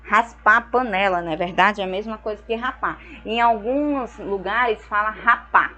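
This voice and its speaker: A young woman from Brazil, teaching a school lesson and explaining slowly and patiently, often checking in with her students. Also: mid-range voice, pushed and bright, poor audio. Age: young adult.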